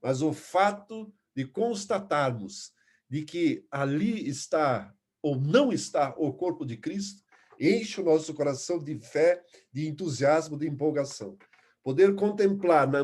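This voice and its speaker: A man's voice: fairly high pitch, darkish tone. A man teaching a Bible lesson, earnest and emphatic, stopping to restart words and reading scripture aloud. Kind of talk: Bible class lecture.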